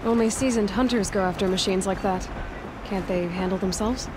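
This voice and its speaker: An actress playing a young, capable tribal huntress in a video game, plain-spoken and questioning. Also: female voice, mid-range voice, moderate pace, noisy background, lightly acted. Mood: curious. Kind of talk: video game character acting. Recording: game music behind the voice.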